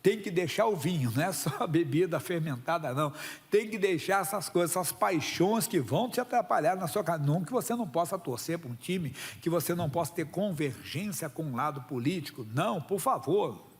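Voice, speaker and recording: Husky Brazilian pastor preaching in an echoey hall. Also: male voice, fairly high pitch, animated, a little fast. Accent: Brazilian Portuguese. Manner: emphatic, folksy, keeps addressing listeners as brother. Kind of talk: sermon. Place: church service.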